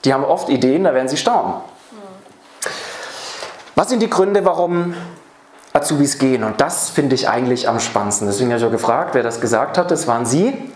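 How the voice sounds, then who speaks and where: A man's voice: medium pitch, expressive, a little fast, pauses often, darkish tone, a little hiss or hum. A man speaks to a seminar audience about training apprentices, addressing them directly and often posing questions. His voice sits in the middle range. The recording carries the echoey sound of a lecture room. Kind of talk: seminar talk to a live audience. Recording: roomy hall sound.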